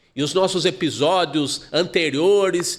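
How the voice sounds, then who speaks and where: Against noticeable background noise, a man with a high pitch speaks at a fairly slow pace with fairly even intonation. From São Paulo countryside, Brazil. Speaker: podcast host. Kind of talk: casual interview chat.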